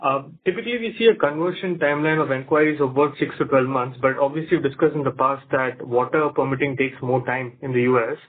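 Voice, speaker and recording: A man's voice: medium pitch, steady tone, fast, hardly any pauses. A man, an analyst, politely asking methodical questions on an earnings call. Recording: tinny phone line.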